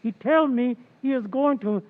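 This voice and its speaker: A man voicing an excitable Greek waiter in an old-time radio play, speaking emphatic broken English with a Greek accent. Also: extremely high pitch, normal speed. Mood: eager, insistent. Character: excitable Greek waiter, eager to tell police everything. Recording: thin, tinny radio-like sound.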